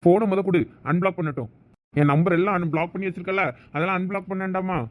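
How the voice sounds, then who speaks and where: A pushy, lovesick young man in a cartoon, voiced by a man. He talks fast in a fairly high voice, pressing and demanding. He keeps at it without letting up. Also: fairly even intonation, natural voice. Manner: insistent, demanding.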